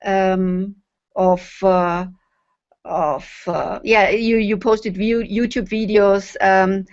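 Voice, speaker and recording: A woman answering as an interview guest in a halting way with long pauses, on a muffled web call. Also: medium pitch, fairly even intonation, a little mellow. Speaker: guest, course facilitator. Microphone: online video call.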